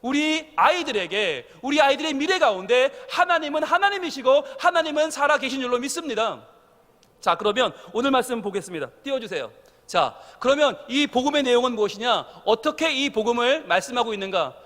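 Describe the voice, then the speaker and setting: Animated high-voiced male pastor preaching. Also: fairly quick, big-room sound. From South Korea. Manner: animated storytelling, acting out family quotes. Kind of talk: sermon. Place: church sanctuary.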